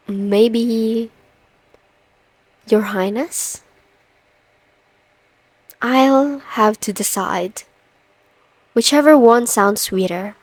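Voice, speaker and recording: Slow, commanding female boss played by a woman. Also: mid-range voice, no room sound, low-quality recording. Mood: teasing, commanding. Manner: commanding, coaxing, unhurried with deliberate pauses. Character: confident, teasing, dominant female boss in a suit. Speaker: audio roleplay performer. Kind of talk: intimate ASMR roleplay, slow and deliberate.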